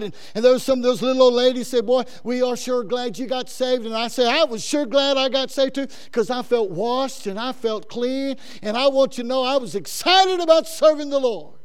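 A man's voice: extremely high pitch, smooth. A middle-aged male pastor preaching a sermon fervently, often stumbling into repeated words, with a big voice.

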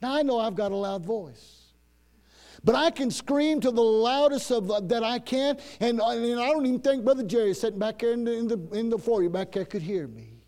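An older man preaching a sermon. His voice sits unusually high for a man, and he drives his points home with emphatic, repeated phrases, stumbling and restarting as he builds. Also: moderate pace, a little mellow. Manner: preaching with rising, emphatic repetition. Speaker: pastor. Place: church.

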